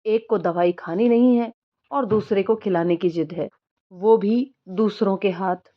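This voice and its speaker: Soft-spoken woman narrating a story. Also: mid-range voice, a little slow, dull audio. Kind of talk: scripted narration.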